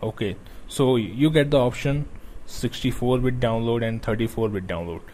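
Young male tech-tutorial host, non-native English speaker, halting and plain, mid pitch, faint ambient hiss behind. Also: warm tone, rough recording. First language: not English. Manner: non-native English with grammar slips, many "uh" pauses. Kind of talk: screen-recorded tutorial.

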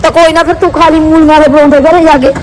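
A young woman with a high voice that is hoarse and strained from a sore throat. She chats casually to a vlog audience in a teasing, complaining way. There is some vehicle noise behind her. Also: level tone, quick pace. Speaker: family vlogger. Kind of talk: casual vlog banter with partner.

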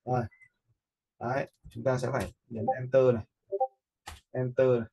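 A man giving a casual, step-by-step software tutorial, informally checking in with listeners as he goes. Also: mid-range voice, level tone, moderate pace, vocal fry, husky, highs cut off. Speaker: video editing instructor. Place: indoors, voice-over for a screen recording.

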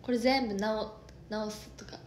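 A woman, chatting casually on an idol livestream, excitable and quick to laugh. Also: medium pitch, a little hiss or hum. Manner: giggly, excitable, breaks into laughter. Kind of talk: casual chat.

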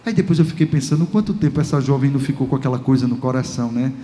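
A man with a Brazilian Portuguese accent, a pastor giving a lively personal testimony in a large church, acting out conversations as he goes. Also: mid-range voice, very fast, slight background noise. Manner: lively storytelling, acts out dialogue, chuckles often. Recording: reverberant church hall, faint ambience.

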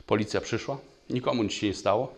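A man preaching a sermon in a church, telling stories with lively sound effects, at times moved to tears. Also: on the low side, quick pace, vocal fry, slight background noise. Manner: animated, acts out gunfire with spoken sounds; emotional, voice breaks. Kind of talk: sermon with storytelling. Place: church hall.

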